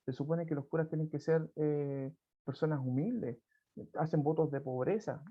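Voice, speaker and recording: A man's voice: on the high side, moderate pace. A Chilean male teacher reading and explaining a folk tale in an online class, chatty, full of tag questions and restarts. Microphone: video call. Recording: dull lo-fi video call audio.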